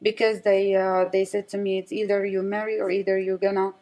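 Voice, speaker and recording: A woman from the West Bank, raised in Saudi Arabia, with an Arabic accent, giving personal testimony as an interview guest in halting non-native English, searching for words. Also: medium pitch, flat delivery, warm tone.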